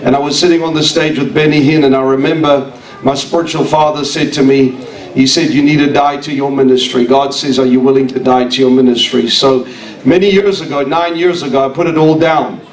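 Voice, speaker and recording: A man's voice: mid-range voice, fairly even intonation, fairly quick. A middle-aged man from Africa preaching a charismatic church sermon, exclamatory and often repeating phrases for emphasis. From grew up in Africa. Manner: exclamatory, punctuated with hallelujahs and amens. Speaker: guest preacher. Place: small church sanctuary, indoors. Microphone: handheld microphone, heard through the room. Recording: echoey church hall, distant, audience noise.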